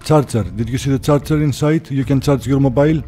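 A man with a mellow, dark voice hosts a motor show walkaround. He jokes and rambles in loose English full of fillers, recorded close to the mic with faint music behind. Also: mid-range voice, fairly quick. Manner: joking, rambling, non-native English with many fillers. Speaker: motorcycle video host. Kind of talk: casual chat at a motor show. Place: busy indoor motorcycle exhibition hall. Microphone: mic held close to his mouth.

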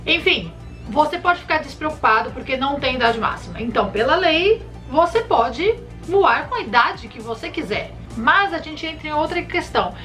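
A woman in her thirties from Brazil, a flight attendant giving casual advice to camera with lively gestures, recorded in a bedroom. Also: high-pitched, normal speed, faint music behind. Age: 30s. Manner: chatty, animated hand gestures, addresses viewers warmly by nicknames. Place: bedroom, indoors. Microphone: camera in front at chest framing.

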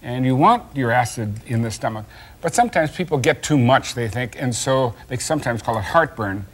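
An older science-show host, recorded on a studio kitchen set, guides a child through an experiment one step at a time with patience and gentle teasing. He talks briskly in an animated, mid-range voice.

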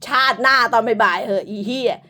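A woman's voice: mid-range voice, fairly quick, bright, forceful tone. A woman delivering an angry, profane, scolding rant as an online commentator, hurling insults throughout.

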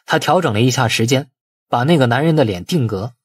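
A man narrating a novel as an audiobook in an expressive, dramatic storytelling manner. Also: medium pitch, brisk, breathy edge, no room sound, clean studio sound.

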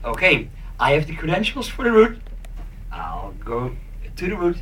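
A young man in an improvised educational role-play, speaking deliberately and with playful theatricality to an audience. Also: a little high, wildly swooping pitch, pushed and bright. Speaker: participant acting in a staged demonstration. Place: conference meeting room. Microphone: handheld mic, picked up by far camera. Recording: distant, noisy room camera pickup.

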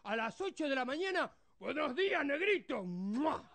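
A man putting on a high, squeaky voice with an Argentine accent, telling jokes on a TV show and acting out the characters in them. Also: big pitch swings, moderate pace, creaky, fairly bright tone, full character voice. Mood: chatty. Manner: rattles through jokes, acts out other characters. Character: squeaky-voiced cheeky grown man, playful joker. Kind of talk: stand-up joke telling on a TV show.

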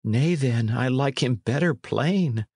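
A man's voice: medium pitch, lively intonation, takes it slowly, a little mellow, slightly rough, dry recording, clean studio sound, pitched above the performer's own voice, heavily acted. A man voicing a plaintive, delicate but proud young runaway in a storybook, in courtly pleading archaic speech. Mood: meek. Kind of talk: storybook character reading.

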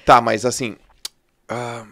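A man's voice: mid-range voice, flat delivery, slow pace, a bit bright. A middle-aged man hosting a casual podcast chat, laid-back and slangy, telling stories with animation. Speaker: host.

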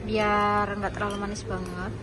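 A woman's voice: mid-range voice, little pitch movement, moderate pace, noisy background. A woman, chatting upbeat through a restaurant food review vlog, filmed on a phone at arm's length. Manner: chatty, upbeat, keeps saying "guys", mixes in English words. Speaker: food vlogger. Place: indoor restaurant, cafe table. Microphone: phone camera at arm's length. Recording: loud background music.

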